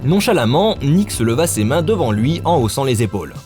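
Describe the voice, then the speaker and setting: A man's voice: mid-range voice, big pitch swings, fairly quick. Man narrating a dramatic story over music.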